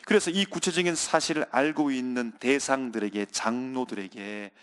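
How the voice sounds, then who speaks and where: A male pastor preaches a sermon earnestly, often calling out to the congregation and slowing down for emphasis. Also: medium pitch, fairly bright tone, clear, resonant tone.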